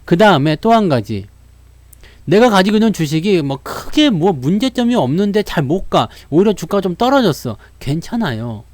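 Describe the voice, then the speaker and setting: Brief: lively male market host, voice leaps around, dry close sound, talks to viewers and plays out their worries. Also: high voice, normal speed, no room sound. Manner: lively, acts out investors' worries and answers them; addresses viewers directly with frequent fillers. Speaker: stock market broadcaster. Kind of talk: live stock market lesson.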